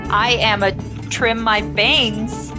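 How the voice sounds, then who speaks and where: A young woman co-hosting a casual podcast chat, with a nasal, congested voice and an animated, joking manner. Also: fairly high pitch, takes it slowly, music in the background. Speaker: podcast co-host.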